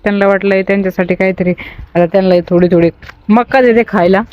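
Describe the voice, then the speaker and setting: A homely village woman talks her viewers through her day outdoors. Her voice sits at an ordinary middle pitch and comes through a slightly muffled phone recording. Farm animals can be heard behind her. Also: fairly even intonation, fast, no room sound. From Ahilyanagar district, Maharashtra, India. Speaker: village family vlogger. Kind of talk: casual vlog narration.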